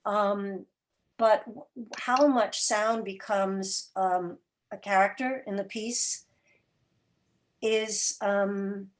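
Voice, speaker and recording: A woman speaking as a producer and interview guest, explaining her work and thinking aloud in careful, halting phrases. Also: medium pitch, fairly even intonation. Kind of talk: explanatory panel interview talk.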